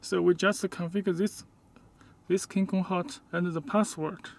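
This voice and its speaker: A man who is not a native English speaker gives a step-by-step hands-on demonstration inside a car, in halting, short, simple phrases. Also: sits high, level tone, creaky. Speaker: product demonstrator.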